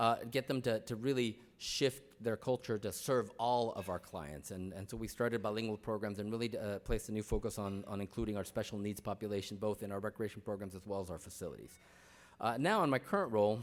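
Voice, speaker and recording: A man's fairly low voice with fairly even intonation and a Spanish accent. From Mexico, then US (Arizona). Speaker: education official. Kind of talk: conference speech. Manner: halting, with frequent repetitions.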